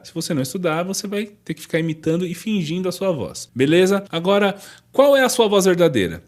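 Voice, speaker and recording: A man teaching voice lessons, explaining vocal registers directly to the viewer. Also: a little high. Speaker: singing teacher. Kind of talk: vocal lesson with sung demonstrations.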